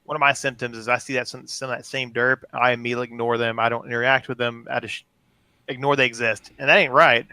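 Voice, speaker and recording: A man's voice: mid-range voice, level tone, fast, bright, forceful tone, smooth, no echo. A man on a casual podcast panel, talking in blunt, slangy, mocking banter.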